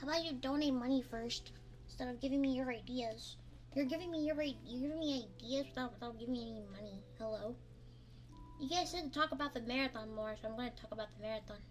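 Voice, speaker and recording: A woman's voice: sits high, fast talker, low-quality recording. A young woman streamer chatting playfully and rambling to her viewers, swearing casually. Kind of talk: casual live-stream chat.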